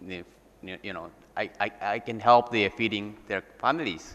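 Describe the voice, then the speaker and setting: Fairly low in pitch, this man's voice has a bright, sharp tone, ordinary pitch variation and a fairly slow pace. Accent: Japanese. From Japan. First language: Japanese. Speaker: startup founder and CEO. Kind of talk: panel discussion. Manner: halting, many fillers.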